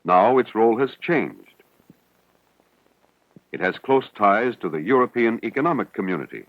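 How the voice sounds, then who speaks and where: A man with a low voice and lively intonation delivers formal, measured narration for a 1970s educational film. The soundtrack is dull, with a slight hiss. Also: dry recording. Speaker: documentary narrator.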